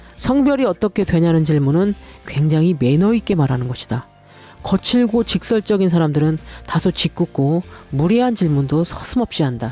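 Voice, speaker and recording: With music in the background, a fairly low-pitched woman talks at a moderate pace and very even loudness, her pitch swinging very widely. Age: 50s. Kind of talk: personal storytelling narration.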